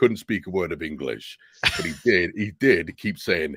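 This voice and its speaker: Vocal fry runs through a man's very deep, low voice as he talks fairly quickly with very wide pitch swings. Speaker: professional voice actor; stream co-host.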